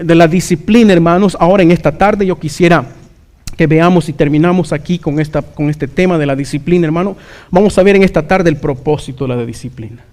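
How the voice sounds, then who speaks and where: Earnest high-voiced male pastor preaching. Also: a little mellow. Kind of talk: sermon.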